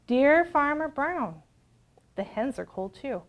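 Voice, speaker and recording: A woman's voice: high-pitched, sing-song, slow, voice pushed up, exaggerated voice. Woman reading as polite, demanding cows. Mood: prim. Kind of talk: picture book read-aloud.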